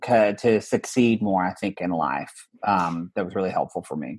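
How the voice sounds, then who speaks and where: With an American accent, a man talks in an unremarkable speaking voice at a fairly low pitch and a fairly slow pace, his pitch variation ordinary. The sound is dry and close, with no echo. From US South. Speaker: therapist, actor, podcaster, activist. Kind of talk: interview answer.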